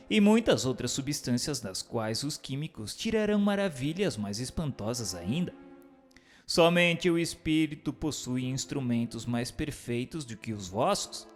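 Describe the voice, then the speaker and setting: A man giving a formal, declamatory scripted reading as a narrator, in a question-and-answer style. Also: fairly high pitch. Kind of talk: scripted dramatized reading of a spiritist book.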